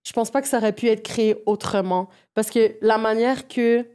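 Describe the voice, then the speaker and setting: Mellow woman chatting in slang. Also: fairly high pitch, steady tone, normal speed, clear, resonant tone. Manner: informal, mixes English music slang into French. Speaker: guest, music project producer. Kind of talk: casual interview storytelling.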